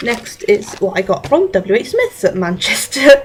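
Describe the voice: This woman talks at a fairly slow pace, her fairly high pitch making big swings in a fairly bright tone.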